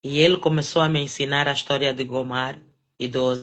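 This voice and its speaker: A woman's voice: very deep voice, steady tone, fairly quick, a bit bright. A woman sharing a personal faith testimony in an earnest, emotional way, speaking directly to the apostle and repeating phrases for emphasis. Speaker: guest giving a testimony.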